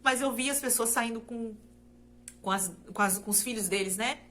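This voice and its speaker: A woman's voice: a little high, moderate pace, a bit bright, a little hiss or hum. A woman from Brazil sharing a personal faith testimony in an earnest, repetitive way, often turning to her listeners directly. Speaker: testimony speaker.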